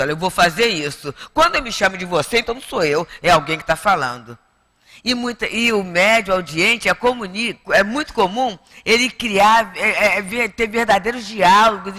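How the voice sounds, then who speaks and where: A woman's voice: mid-range voice, sharp tone, in a large hall. A woman with a Brazilian Portuguese accent giving a spiritist lecture to an audience in a chatty way, with many tag questions. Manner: conversational, with frequent tag questions. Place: spiritist center lecture hall.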